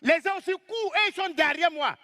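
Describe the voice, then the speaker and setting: A man telling a comic story on stage as a stand-up comedian, lively and exclaiming as he acts out the scenes. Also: very high-pitched, brisk.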